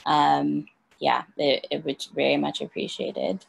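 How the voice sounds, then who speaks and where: A woman moderating an online panel over a video call, halting, with many ums and likes. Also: low voice, flat delivery, creaky, husky.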